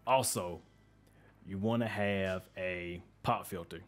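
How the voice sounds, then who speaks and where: A man with a deep, bassy voice hosting an informal, conversational tutorial in slangy everyday speech, recorded close on a studio microphone. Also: steady tone, slow pace. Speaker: music production tutorial host. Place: untreated home studio room with reflection filter. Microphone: studio microphone with pop filter, close up.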